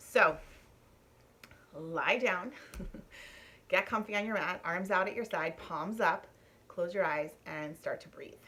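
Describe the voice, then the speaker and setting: A raspy, put-on character voice moves at a fairly slow pace with ordinary pitch variation. Its loudness swings widely, and long pauses come often. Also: woman, medium pitch for a woman. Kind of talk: yoga instruction.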